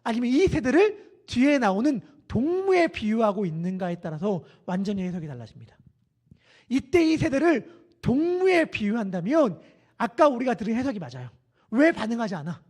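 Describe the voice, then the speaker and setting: A man's voice: very high voice, moderate pace. A man who is a pastor, preaching an expository sermon and asking the congregation questions. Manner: animated, acts out quoted voices, asks the congregation questions. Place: church sanctuary.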